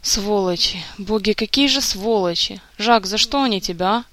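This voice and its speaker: A reader voicing a frightened, excitable young lad in an audiobook, agitated and indignant. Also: medium pitch, moderate pace, no echo, close to an everyday voice.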